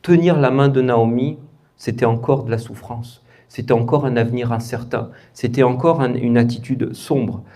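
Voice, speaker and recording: A man's voice: medium pitch, fairly even intonation, normal speed, mellow. A man with a French accent preaching a sermon in church, often asking his congregation questions in a conversational way.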